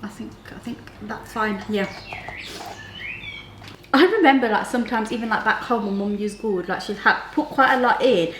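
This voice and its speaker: A woman's voice: medium pitch, expressive, normal speed, a bit bright, slight background noise. Chatty woman in an echoey kitchen. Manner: chatty, uses "like" often. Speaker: cooking show host. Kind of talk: casual cooking chat. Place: home kitchen, indoors. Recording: roomy kitchen with faint ambience.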